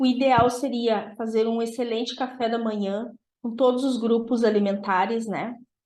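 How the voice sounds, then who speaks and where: Monotone and flat, a woman's intonation barely shifts. She speaks at a moderate pace with a fairly high pitch. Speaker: nutritionist. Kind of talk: health talk to church group.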